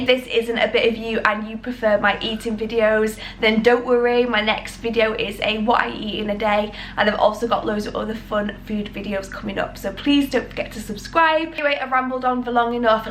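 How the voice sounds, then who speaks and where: A young British woman, a health vlogger, talks chattily to camera, her voice a little high and fairly bright, sounding nasal from a cold. Her casual talk is rambling and reassuring, with slight background noise.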